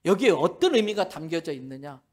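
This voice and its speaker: A man's voice: a little high, a little fast. A middle-aged man, a pastor, preaching a Sunday sermon in a church and telling stories with humor. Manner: animated storytelling, acting out dialogue with humor. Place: church sanctuary.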